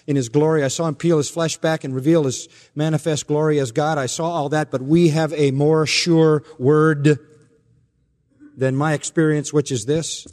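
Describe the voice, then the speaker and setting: An earnest male apostle, played by a preacher, insists on what he witnessed. The voice sits high and stays close to the preacher's own. A long reverb fills the hall around it. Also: fairly even intonation, moderate pace, darkish tone, close to an everyday voice.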